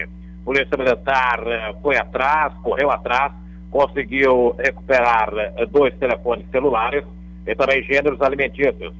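A man's voice: mid-range voice, a bit bright, poor audio. A middle-aged man from Brazil reading a radio police bulletin as a crime reporter, in a conversational way with fillers and tag questions. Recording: radio broadcast audio.

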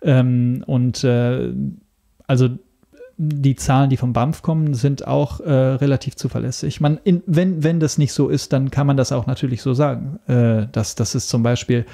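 Male interviewee, Italian accent, mid-pitched, fry in the voice, measured and word-searching. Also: steady tone, dark tone. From Italy. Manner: hesitant, searching for words, measured. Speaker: interview guest, media information expert. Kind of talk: explanatory interview talk.

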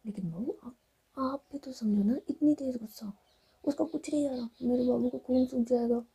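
A doting young wife , played by a woman narrator, coaxes and teases in a soft, breathy, husky voice. The sound is dark and mellow with a slightly raised pitch. Her talk is playful and full of fond pet names. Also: normal speed. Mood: teasing. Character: affectionate young wife, teasing and soothing.

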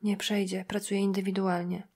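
Calm female investigator, quiet and guarded, read by a woman narrating an audiobook. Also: mid-range voice, fairly quick, husky. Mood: restrained. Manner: quiet, restrained and matter-of-fact.

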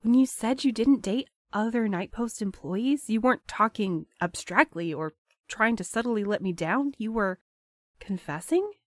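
A woman playing a gentle, hesitant, romantic young courier in an audio drama, thoughtful and a little awkward. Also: on the high side, lively intonation, measured pace, dry recording, clean studio sound. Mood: stunned, hesitant.

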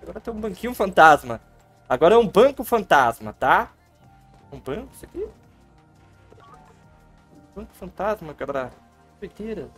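A man's voice: high-pitched, very animated, moderate pace, pauses often, soft background music. A man with a Brazilian Portuguese accent, giving playful, joking gameplay commentary on a livestream and talking to his chat. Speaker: game streamer.

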